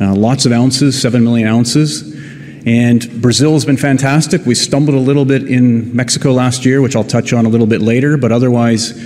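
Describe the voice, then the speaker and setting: At a fairly quick pace, a man talks with very even loudness. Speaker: presenter. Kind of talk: conference presentation. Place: hall. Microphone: podium.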